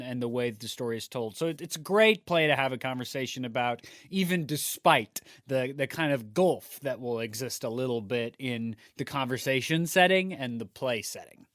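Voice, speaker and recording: A man's voice: mid-range voice, a bit bright, no echo, studio quality. A man from the United States co-hosting a podcast, chatting casually with rambling restarts. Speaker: podcast co-host. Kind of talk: casual podcast chat and sponsor plug.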